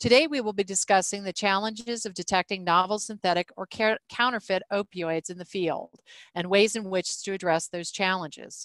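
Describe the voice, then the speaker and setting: The speech comes at a moderate pace in dry sound with no echo and a quiet background. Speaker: webinar host. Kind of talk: formal welcome remarks. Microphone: video call.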